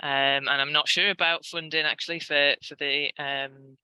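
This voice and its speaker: A man's voice: fairly high pitch, little pitch movement, moderate pace, pushed and bright, smooth, no room sound. A man taking part in a casual discussion, offering observations tentatively and qualifying them as he goes. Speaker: visual artist, discussion participant. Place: online video call.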